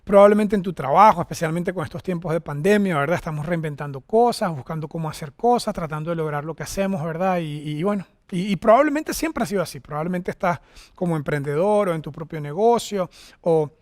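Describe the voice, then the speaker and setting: A man from Venezuela preaching a sermon as pastor, telling a story with animated voices and asides to the congregation. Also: a little high, fairly quick, no echo, studio quality. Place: Costa Rica church setting.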